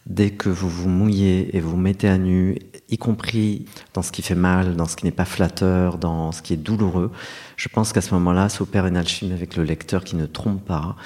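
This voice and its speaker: A middle-aged male novelist with a deep, low-pitched voice. He speaks reflectively and earnestly in an interview, often pausing with hesitations as he gathers his thoughts. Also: fairly even intonation, warm tone. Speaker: novelist guest. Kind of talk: interview conversation.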